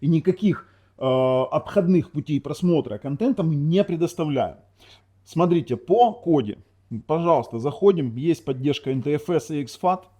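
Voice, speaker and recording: A man's voice: a little high, lively intonation, moderate pace, warm tone. A man whose first language is Ukrainian, casually demoing a TV box in a rambling way, correcting himself often and dropping sarcastic asides. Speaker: tech reviewer. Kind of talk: casual product demo talk.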